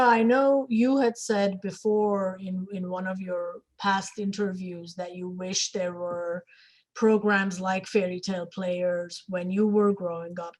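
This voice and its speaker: A woman moderating a panel discussion, putting questions to the guests as an interviewer. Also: fairly low pitch.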